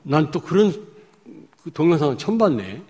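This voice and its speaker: A male pastor preaching a sermon emphatically, swinging between loud points and hushed asides. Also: on the high side, sing-song, a little fast, husky. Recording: echoey hall.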